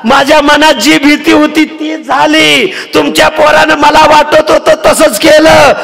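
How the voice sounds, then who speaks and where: A male preacher voicing a hysterical young wife who shrieks out her complaints in a high, strained voice. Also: level tone, measured pace, creaky, heavily acted. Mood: panicked. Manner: shrill, shouted complaining.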